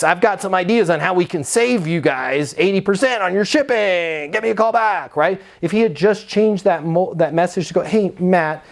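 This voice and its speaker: A man's voice: high-pitched, gravelly. An American man coaching on sales in a conversational, instructive way, slipping into acted-out example dialogue.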